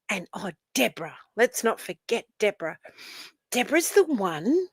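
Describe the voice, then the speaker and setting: A woman's voice: fairly high pitch, dry recording. A woman hosting a live stream, talking to her chat in a sarcastic, mocking way with theatrical gasps.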